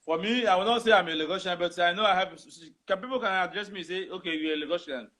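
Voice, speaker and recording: A man's voice: high-pitched, fast talker, a bit bright. A man hosting a casual live talk show, who keeps repeating his greetings and blessings. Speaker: show host.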